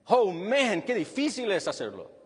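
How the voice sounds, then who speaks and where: A male pastor preaching a sermon with a husky voice, animated and then dropping low and quiet to stress a point. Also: a little slow. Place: church hall with long reverb. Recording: reverberant church hall.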